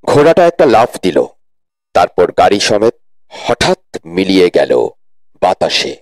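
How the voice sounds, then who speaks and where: A man's voice: sits low, wildly swooping pitch, measured pace, a little mellow, no room sound. A man narrating a dramatic audio story expressively, rising with tension.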